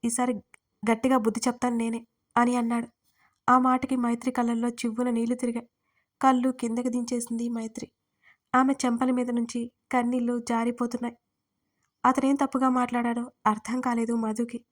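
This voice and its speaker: Woman narrating a story, flat higher voice. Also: brisk. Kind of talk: scripted narration.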